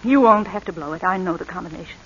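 A woman's voice: lowish voice, fast, lightly acted. An actress playing a poised, conflicted lady jewel thief with clipped, dramatic delivery in a 1940s radio drama. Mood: tense, anguished. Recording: noisy muffled vintage 1940s radio recording.

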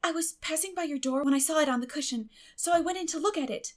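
A woman's voice: sits high, fast talker, pitched above the performer's own voice, natural voice. A woman voicing an earnest, dramatic little orphan girl who protests solemnly and emphatically in an audiobook. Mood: hesitant.

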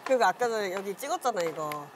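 A woman's voice: medium pitch, expressive, fast, heavy background noise. A young adult woman bantering casually with friends in a group. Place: TV studio panel table. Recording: other voices chattering around.

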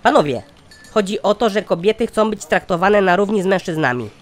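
Pompous cartoon ceo, high pitched, formal and sarcastic, easily exasperated. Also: male voice, expressive, brisk. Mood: exasperated, lecturing. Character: pompous, exasperated male company chairman, scheming boss. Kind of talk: satirical cartoon dialogue.

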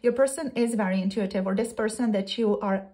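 A woman's voice: mid-range voice, fairly quick, dark tone. A young adult woman, a tarot reader who chats her way through a pick-a-card reading and thinks aloud as she searches for words. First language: Slovenian.

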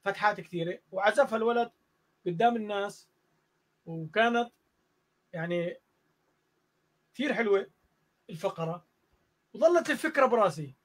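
A man's voice: high-pitched, normal speed, pauses often. A man with a Jordanian accent, a music teacher telling a story in a casual online interview and acting out the dialogue. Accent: Jordanian Arabic. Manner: animated, acts out dialogue in the story.

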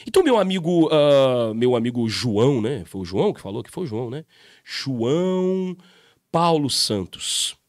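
Lively man telling a story. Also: medium pitch, normal speed, no echo, clean studio sound. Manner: animated storytelling, addresses viewers directly. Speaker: YouTube commentator. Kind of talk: casual commentary monologue.

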